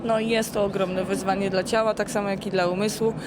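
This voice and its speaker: A sleep-deprived woman athlete giving a casual interview, halting and searching for words. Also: medium pitch, little pitch movement, noisy background. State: sleep-deprived after three days awake. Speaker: endurance swimmer being interviewed. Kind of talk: casual post-challenge interview.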